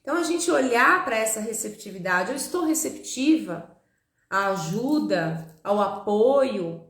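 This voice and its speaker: A woman psychologist in her thirties talks to her live audience in a loose, chatty way, tagging her sentences with little questions. Her voice sits a bit high, and the room adds a clear echo around it. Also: animated, a little slow. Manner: chatty, warm asides, frequent "né?" tags, laughs with viewers. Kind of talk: live-stream talk to viewers. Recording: echoey room.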